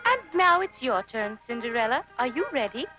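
Sweet fairy godmother for a kids storybook, high and very sing-song, motherly, music behind, kinda lo-fi. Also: big pitch swings, normal speed. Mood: cheerfully magical. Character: kindly fairy godmother, motherly magical older woman. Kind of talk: children's storybook audio drama. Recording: dull lo-fi audio under music.

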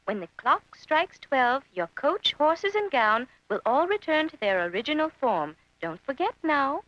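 A woman's voice: high voice, sing-song, unhurried, dry recording. A woman voicing a kindly, motherly fairy godmother in a children's storybook drama, sweet, fussing and reassuring. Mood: kindly warning. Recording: dull lo-fi audio under music.

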